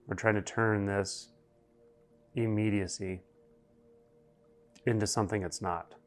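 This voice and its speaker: A man guiding a meditation, speaking slowly and deliberately with long pauses between phrases. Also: fairly low pitch, steady tone, faint music behind. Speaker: meditation guide. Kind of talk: guided meditation narration.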